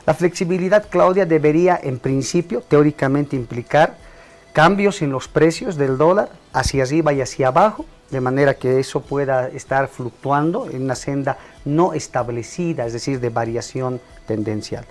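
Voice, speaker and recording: A man who is a guest on a TV talk show, explaining exchange rates in a measured, analytical way. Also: mid-range voice, soft background music. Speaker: economist guest. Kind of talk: explanatory TV interview.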